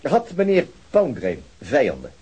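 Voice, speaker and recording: A man's voice: medium pitch, wildly swooping pitch, measured pace, dark tone, a little hiss or hum. A man playing a dry, sardonic detective. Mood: probing. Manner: dry, sarcastic, questioning. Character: weary, sardonic male police detective. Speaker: police detective. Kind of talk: Dutch radio play acting.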